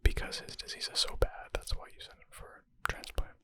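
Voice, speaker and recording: A man speaks entirely in a breathy whisper with no voiced tone, bright and airy. It is an ASMR reading mixed with casual, murmured commentary, as if he is thinking aloud. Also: a little fast, no room sound. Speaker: ASMR creator reading and answering medical exam questions.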